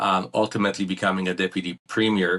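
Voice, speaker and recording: In a Polish accent, a man speaks at a fairly quick pace with fairly even intonation, his fairly low-pitched voice bright and sharp in tone. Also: quiet background. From Poland. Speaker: former politician. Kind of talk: interview. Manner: hesitant, many fillers.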